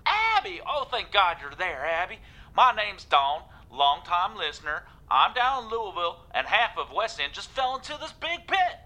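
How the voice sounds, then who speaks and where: Actress as a panicky, rambling office gal in a radio play, bright voice swooping up and down. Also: female voice, mid-range voice, sing-song, normal speed, poor audio. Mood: frantic. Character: frantic Southern office worker woman, folksy. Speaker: caller. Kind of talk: radio drama acting.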